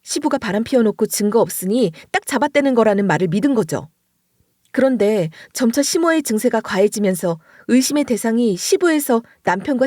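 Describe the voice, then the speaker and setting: A woman narrates a dramatic first-person story in an expressive storytelling voice. Her pitch sits a little high and moves a lot. The recording is dry and close. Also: dry recording.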